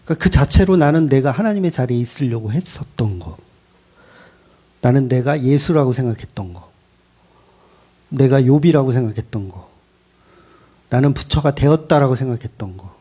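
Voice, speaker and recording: A male pastor preaching a sermon in a blunt, colloquial, animated way. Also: medium pitch, moderate pace, pauses often, breathy edge.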